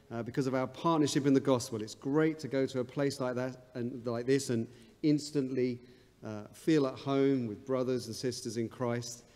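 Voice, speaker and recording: A man in his fifties, a guest minister, speaks at a lectern in a large church hall. His tone is mellow and mid-pitched and carries a long reverb. He sounds wry and friendly. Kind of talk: formal address to an assembly. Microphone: lectern mic.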